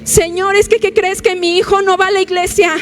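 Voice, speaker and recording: A whiny, pleading churchgoer woman, acted out by a Mexican preacher, begging in a high, drawn-out voice. Her pleas sound half-hearted and complaining. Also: little pitch movement, music in the background.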